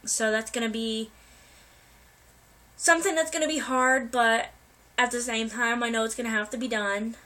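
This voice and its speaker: Young woman vlogger, bright voice, recovering from a cold, chatty and meandering. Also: on the high side, steady tone, moderate pace. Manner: rambling, many ums and restarts. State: getting over a cold, coughing. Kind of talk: casual life update to viewers.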